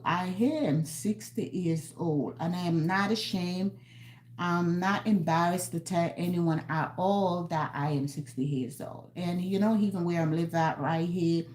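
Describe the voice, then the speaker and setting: Sixties lady on a home live stream, low mellow voice, slow and earnest, echoey room. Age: 60s. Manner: earnest, repetitive, encouraging. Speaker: vlogger. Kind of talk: casual live-stream talk. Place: her home.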